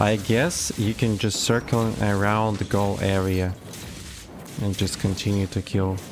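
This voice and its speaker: With noticeable background noise, a man speaks fairly slowly in a fairly low pitch and fairly even intonation. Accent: non-native. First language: not English. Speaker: gaming streamer. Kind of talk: casual live stream gameplay commentary. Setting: live stream. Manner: non-fluent, pauses to find words.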